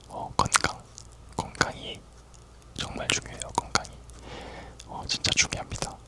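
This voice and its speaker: A person whispering a casual, rambling ASMR chat in a soft, unvoiced whisper. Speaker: ASMR video creator.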